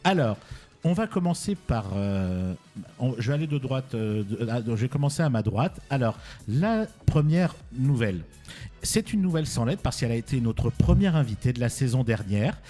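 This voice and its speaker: Male radio host, mellow mid-range voice, jokey and rambling, faint music bed. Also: medium pitch, big pitch swings, moderate pace. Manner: rambling, self-correcting, teasing. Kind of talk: casual, jokey radio presenting.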